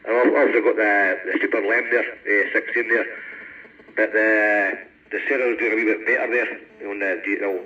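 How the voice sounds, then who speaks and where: A man's voice: lowish voice, fairly even intonation, normal speed. A man with a Scottish accent making casual contact as a CB operator, heard through a radio transmission. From Scotland. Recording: dull, noisy CB radio reception.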